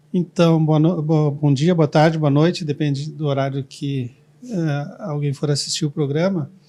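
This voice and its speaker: There is noticeable background noise behind this man. He speaks at a fairly high pitch and a fairly slow pace. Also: fairly even intonation. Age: 50s. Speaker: teacher. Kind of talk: podcast interview. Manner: halting.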